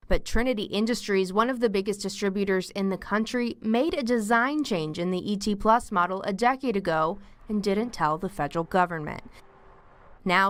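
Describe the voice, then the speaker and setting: A woman's voice: medium pitch, a bit bright, no echo, studio quality. A woman reporting live as a television news field reporter, in a scripted news delivery. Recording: faint outdoor traffic noise.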